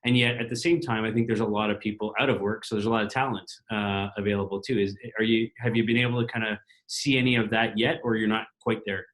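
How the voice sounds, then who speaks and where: Low-voiced man interviewing casually. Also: fairly even intonation, quick pace, hardly any pauses, a bit bright, poor audio. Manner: rambling, many fillers and restarts. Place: at home.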